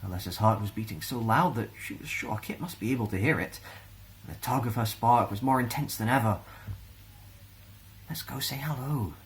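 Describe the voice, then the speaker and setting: Male storyteller, Scottish, low voice, gentle and expressive reading of children's fantasy. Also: brisk, slight background noise, poor audio. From Scotland.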